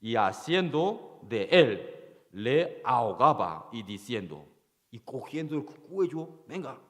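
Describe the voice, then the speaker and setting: A man preaching a sermon, halting and repeating key phrases, often asking the congregation rhetorical questions. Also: mid-range voice, sing-song, a bit bright, in a large hall. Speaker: pastor. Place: church.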